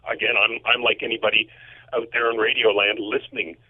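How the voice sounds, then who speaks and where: A man heard over a thin, band-limited phone connection, with a husky, rough edge to his medium-pitched voice. He explains his work casually as an interview guest. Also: little pitch movement, fairly quick, dry recording. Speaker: composer and audio mixer, remote guest. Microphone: phone or remote call. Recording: tinny, narrow telephone line.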